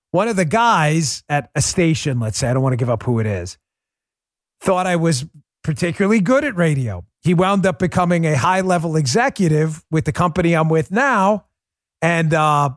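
Into a studio microphone, with no room sound, a middle-aged man delivers a political talk show monologue. He speaks to listeners as folks, emphatically, alternating loud and quiet and lowering his voice for weight.

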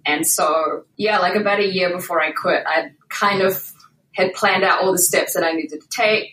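A woman's voice: on the low side, moderate pace, a bit bright, echoey room, distant mic, slight background noise, poor audio. A woman in her late twenties with a New Zealand accent, a podcast guest talking casually with lots of fillers and hedges. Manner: chatty, with many fillers and hedges. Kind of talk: casual interview talk.

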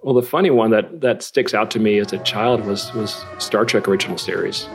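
A middle-aged guest artist from California talks reflectively in a relaxed, conversational interview, self-deprecating and full of restarts and fillers. His voice is on the low side, brisk, with vocal fry. Faint music plays behind him.

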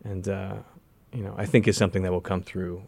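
A man's voice: low-pitched, flat delivery, brisk, vocal fry, a little mellow, husky, no room sound. A man, an actor being interviewed, talking conversationally and reflectively as he searches for his words.

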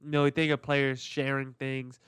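A man's voice: mid-range voice, level tone, moderate pace, a bit bright, clear, resonant tone, no echo. A man hosting a sports podcast in a conversational way, sounding slightly nasal and congested from allergies. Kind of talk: casual solo podcast commentary, with read-out sponsor spots.

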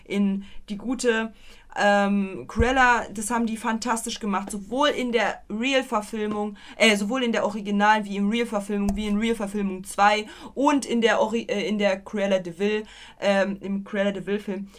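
A woman's voice: mid-range voice, fairly even intonation, normal speed. A young woman co-hosting a podcast, chatting casually about films, rambling with many restarts and playful teasing. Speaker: podcast co-host. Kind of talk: casual film review chat.

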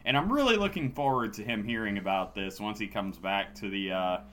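A man's voice: fairly low pitch, lively intonation, brisk, bright, forceful tone, slight background noise. A hungover man co-hosting a casual sports podcast, talking in a dry, sardonic way. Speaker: podcast host.

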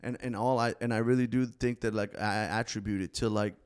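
A man's voice: on the low side, steady tone, brisk, smooth. A man in his thirties from South Florida whose first language is Spanish, telling a long story in a casual podcast chat, rambling and slangy, full of "bro" and "like". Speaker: podcast guest.

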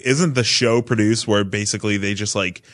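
A man's voice: fairly low pitch, steady tone, moderate pace, fairly bright tone. A man chatting casually as a podcast panelist, informal and exclamatory, often rambling as he tells things. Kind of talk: casual chat.

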